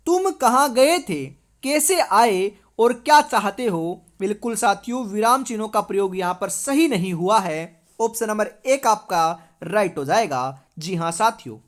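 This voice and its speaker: A woman teacher from India running an exam-prep quiz lesson, reading out multiple-choice options and confirming each answer with stock phrases. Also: mid-range voice. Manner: reads options aloud, then confirms with repeated catchphrases.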